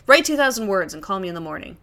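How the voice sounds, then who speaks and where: A woman's voice: mid-range voice, very animated, very fast, pushed and bright. A woman playing a pompous, detached, over-intellectual doctor who lectures in a comedy sketch. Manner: pompous, academic.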